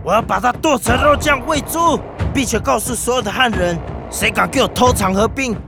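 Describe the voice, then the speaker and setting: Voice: mid-range voice, brisk, gravelly, lightly acted. An actor in a radio drama playing a fierce, blunt tribal leader who gives orders, with music behind. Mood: furious, threatening. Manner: blunt, commanding. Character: fierce vengeful tribal leader defending the homeland.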